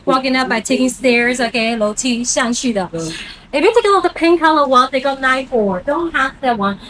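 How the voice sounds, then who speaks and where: A woman from Hong Kong with a local accent leads a walking tour out on a city street. Her voice sits high, and faint street ambience hangs behind her. She explains things at a brisk clip and poses questions to her listeners. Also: fairly bright tone, slight background noise, poor audio. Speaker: tour guide.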